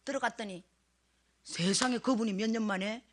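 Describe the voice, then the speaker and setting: A middle-aged woman preaching a sermon in a church, telling a personal story with strong emotion, dropping to a hush and rising to loud pleading. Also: on the high side, moderate pace, a little hiss or hum. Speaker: guest preacher. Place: church sanctuary. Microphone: handheld microphone.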